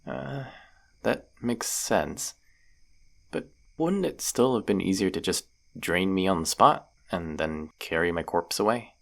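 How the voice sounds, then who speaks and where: Casting: male actor as stubborn wounded monster hunter, deep creaky voice, sarcastic and teasing, roleplay audio drama. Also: lively intonation, a little slow, fairly bright tone, heavily acted. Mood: wary, wry. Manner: sarcastic, grumbling banter.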